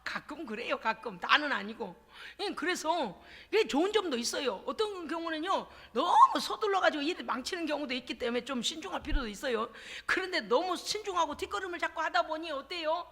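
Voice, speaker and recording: Woman pastor, high bright voice, animated folksy preaching, echoey church hall. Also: a little fast, vocal fry. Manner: animated, exclamatory preaching with frequent laughs; folksy, conversational asides to the congregation. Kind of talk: sermon. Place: church service.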